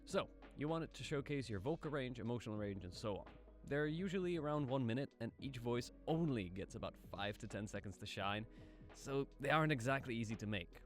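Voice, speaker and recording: A man's voice: medium pitch, lively intonation, brisk, soft background music. A man narrating a casual explainer video as an aspiring voice actor, informal and self-deprecating, posing rhetorical questions.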